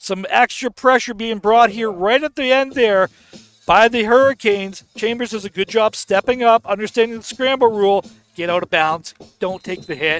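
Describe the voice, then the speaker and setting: A man talks in a relaxed tone at a high pitch with ordinary pitch variation. The sound is dry and close with no echo, and music plays in the background. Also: moderate pace. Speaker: color commentator, former league participant. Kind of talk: live sports commentary, analysis. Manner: relaxed, analytical, conversational.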